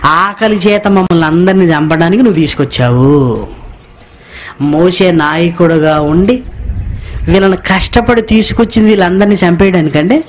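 A man's voice: sits high, normal speed, slight background noise. A man preaching a sermon, asking the congregation rhetorical questions and repeating phrases for emphasis. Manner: reads scripture line by line, echoing the congregation.

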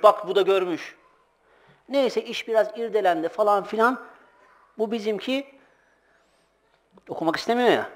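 A middle-aged man leads a relaxed sermon, his voice sitting a little high for a man. He moves between plain teaching and stories, doing the voices of the people in them. He laughs now and then as he talks. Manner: animated anecdotes, acts out voices, laughs often. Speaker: religious teacher giving a monthly talk. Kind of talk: informal sermon with storytelling.

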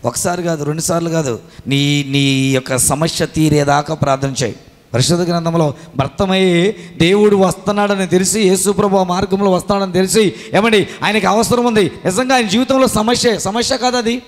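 High-voiced pastor preaching in a hall. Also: male voice, fairly even intonation, a little fast. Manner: preaching with call-and-response questions, swinging between loud cries and low asides. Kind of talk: Telugu sermon.

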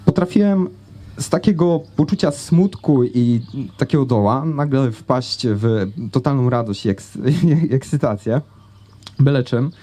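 A man's voice: medium pitch, unhurried, mellow. A young man telling a personal story on an outdoor festival stage into a handheld mic, chatty and full of hesitations. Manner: conversational with many fillers and hesitations. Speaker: speaker giving a talk. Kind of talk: personal story told to an audience. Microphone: handheld microphone.

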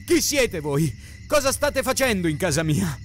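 A man's voice: a little high, lively intonation, moderate pace, soft background music, pitched above the performer's own voice, close to an everyday voice. A man voicing a frightened but defiant teenage girl in an audiobook, crying out pleas and angry demands. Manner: pleading and fierce cries.

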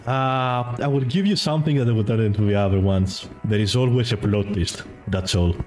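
A man's voice: lowish voice, fairly quick, a little mellow. A man hosting a streamed quiz show in English, which is not his first language, playful and teasing, laughing often. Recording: music playing behind.

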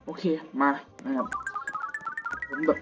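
A young man, still a student, giving casual gameplay commentary at home at night, slangy and crude with excitable outbursts. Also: slow. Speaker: gamer. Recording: dull lo-fi audio with game music.

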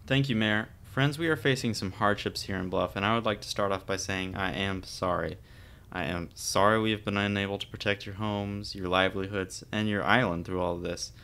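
A man's voice: lowish voice, steady tone, fairly quick, creaky, fairly bright tone, smooth. A man playing an earnest, placating small-town councilman speaking politely in an audio drama.

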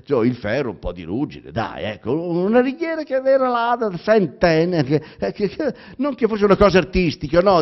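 A man with a Romagna accent reading a theatrical monologue aloud, halting and stammering, full of repetitions and fillers. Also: a little high. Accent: Romagna Italian. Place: public library reading event. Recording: dull lo-fi recording.

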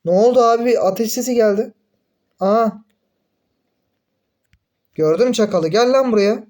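A young man commentating his own mobile game in casual chat, excitable, groaning and cursing when things go wrong. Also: extremely high pitch, normal speed.

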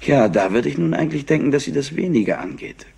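Raspy, animated, haughty young nephew. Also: male voice, medium pitch, fast talker. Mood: guarded, haughty. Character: clever, slightly overwrought young nephew of rich industrialist. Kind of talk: German crime radio play acting.

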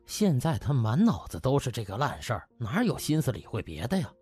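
A man's voice: mid-range voice, sing-song, fairly quick, a little mellow, husky, no echo. A man narrating an audiobook in a dramatic, scripted storytelling style. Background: faint music.

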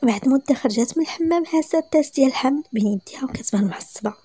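A woman with a Moroccan accent narrating a story in a brisk, lively manner. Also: high-pitched, slightly rough, no echo, studio quality.

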